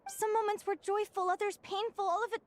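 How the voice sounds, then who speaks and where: A woman voicing an earnest young naturalist in a video game, speaking in a halting, reflective way. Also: extremely high pitch, little pitch movement. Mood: shaken. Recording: game audio with faint music.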